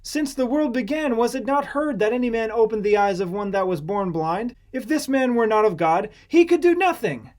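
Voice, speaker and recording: Male narrator as earnest healed blind man, bold and emphatic, pitched well up, scripture audiobook. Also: expressive, moderate pace, few pauses, a little mellow. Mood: indignant, bold.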